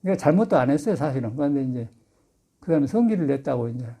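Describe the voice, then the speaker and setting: A man's voice: mid-range voice, animated, fast, mellow, husky. An older man, a Buddhist monk, giving a folksy Sunday sermon full of anecdotes and laughter. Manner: chatty storytelling with laughter. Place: temple dharma hall.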